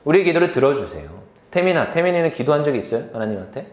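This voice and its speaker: Lively young preacher with room echo. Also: male voice, fairly high pitch. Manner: lively storytelling, quick to laugh; asks the listeners questions directly. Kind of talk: sermon to a youth congregation.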